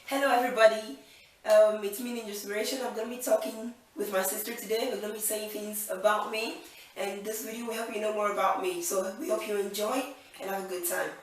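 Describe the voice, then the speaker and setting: A woman's voice: mid-range voice, fairly even intonation, quick pace, very echoey, far from the mic, a little hiss or hum, low-quality recording. A woman in her twenties from Nigeria hosting a casual Q&A vlog, chatty and upbeat, thinking aloud with fillers. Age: 20s. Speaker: channel host.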